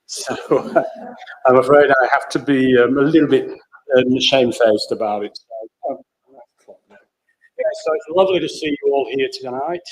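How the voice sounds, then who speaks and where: A man from Australia with a big booming voice, giving a measured, plain-spoken talk on stage into a microphone in a large theatre. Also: poor audio. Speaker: conservation program leader.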